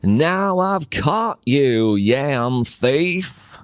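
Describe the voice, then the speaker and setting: Man playing a slow-spoken, stern farmer. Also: medium pitch, sing-song, clear, resonant tone, no room sound, voice pushed up. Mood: triumphant. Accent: British. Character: male yam farmer, triumphant, stern but fair.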